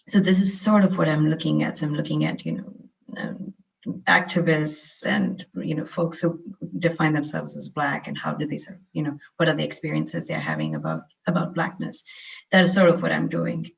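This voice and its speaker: A young woman from India gives a relaxed webinar lecture through a video call. Her voice carries a gravelly edge, and she often restarts phrases and leans on fillers as she talks things through. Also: sits low, moderate pace, low-quality recording. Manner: conversational, frequent fillers and restarts. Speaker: guest lecturer.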